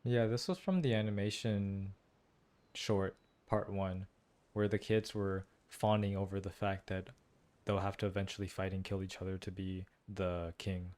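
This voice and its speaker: A man's voice: deep voice, fairly even intonation, moderate pace, a little mellow, a little hiss or hum. A man giving casual, musing playthrough commentary and analysis, repeating phrases for emphasis. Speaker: gaming streamer reacting to a story quest.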